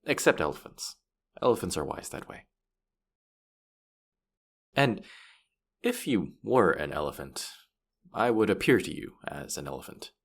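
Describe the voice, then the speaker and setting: Fantasy audio roleplay: male actor as boastful, playful afterlife trickster spirit, low register, very animated intonation, teasing and theatrical. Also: measured pace, gravelly, long pauses, slightly rough, heavily acted. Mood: smug, playful. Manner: teasing, theatrical, mock-sympathetic, swooping delivery.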